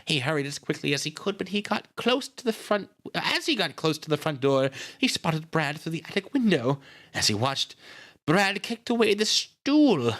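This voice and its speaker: A man's voice: on the high side, big pitch swings, moderate pace, fairly bright tone, pitched above the performer's own voice. A man voicing a grieving, earnest young woman from a storybook, emotional and pleading. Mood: tearful.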